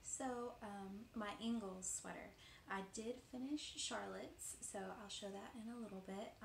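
A somewhat breathy woman's voice with fairly even intonation, audible room echo and light background noise. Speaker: craft vlogger. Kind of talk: casual vlog chat. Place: home room. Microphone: phone near.

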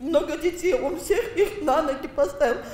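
Lively intonation rises and falls at a very slow pace. Audible room echo surrounds the voice. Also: woman. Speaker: seminar participant. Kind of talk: personal testimony. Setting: stage with audience. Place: hall. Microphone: handheld.

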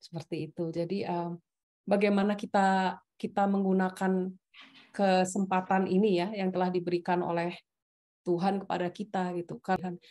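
A woman speaks in a dark, mellow tone with monotone, flat intonation. The background is quiet. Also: medium pitch for a woman, moderate pace. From West Java, Indonesia. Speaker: interviewee, Indonesian wife in mixed marriage; interviewee. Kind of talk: casual interview. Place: home room. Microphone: video call.

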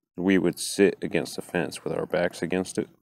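Against a quiet background with a dry sound and no echo, a man speaks at a moderate pace in a very deep, low, monotone, flat voice. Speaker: former prison inmate demonstrating weapons. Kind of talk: tutorial. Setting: at home, quarantined. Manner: casual. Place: garden. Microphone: phone near.

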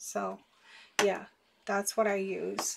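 A woman takes a fairly unhurried tempo while noticeable background noise runs behind her. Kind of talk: casual craft-with-me chat.

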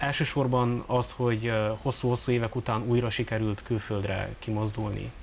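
Light background noise sits under the audio. The voice belongs to a man. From Transylvania, Romania (Hungarian minority). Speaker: choir conductor; guest. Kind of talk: studio interview. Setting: studio. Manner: halting, many fillers. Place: studio. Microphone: lapel.

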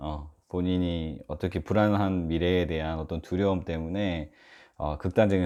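Against a quiet background, a man speaks with a very deep, low pitch. His tone is dark and mellow. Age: 40s. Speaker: study-abroad agency owner. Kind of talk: direct-to-camera address.

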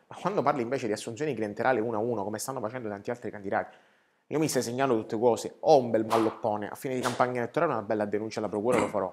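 A man at a very fast pace in an animated tone, faint music in the background. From Sicily, Palermo; Sicily. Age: 20s. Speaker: political candidate; candidate. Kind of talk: interview. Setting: studio. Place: studio. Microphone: lapel.

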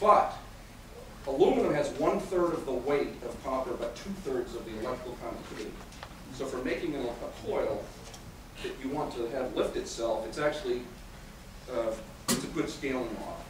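Over noticeable background noise and audible room echo, a man talks at a moderate pace with long, frequent pauses. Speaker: professor giving demonstration. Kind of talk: lecture. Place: hall. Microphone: camera far.

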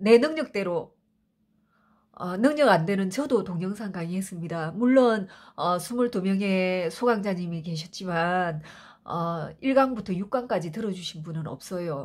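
Against a quiet background, a woman speaks at a very slow pace with lively intonation and big swings in loudness. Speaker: writing coach and author; vlogger sharing her experience. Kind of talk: personal monologue to camera. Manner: unscripted with many fillers. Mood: earnest, soft, emotional. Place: home room. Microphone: phone near.

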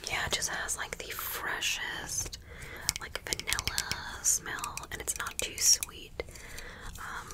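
A woman's whispering. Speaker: ASMR content creator. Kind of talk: ASMR product haul, casual talk to camera. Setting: studio, close to microphone. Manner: whispered. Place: home room. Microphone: studio mic.

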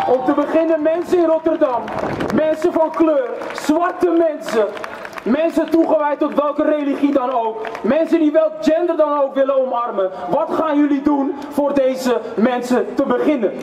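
Over crowd noise and audible room echo, a man speaks at an extremely high pitch with very even loudness. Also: ordinary pitch variation, moderate pace. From Amsterdam, Netherlands. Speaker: youth worker and protest speaker. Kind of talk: protest speech to a crowd. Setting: outdoors at a demonstration with crowd. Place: street. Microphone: podium.

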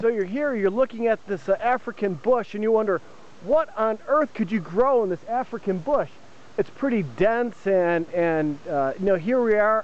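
A man speaks at a moderate pace with a high pitch and lively intonation. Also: dry sound with no echo. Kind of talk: casual vlog chat. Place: farm. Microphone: phone near.

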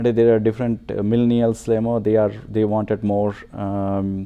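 A man's dark, mellow voice in a monotone, flat intonation. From Telangana, India (Kothagudem); Telangana. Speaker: real estate agent. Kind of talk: interview. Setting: studio. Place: studio. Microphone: lapel.

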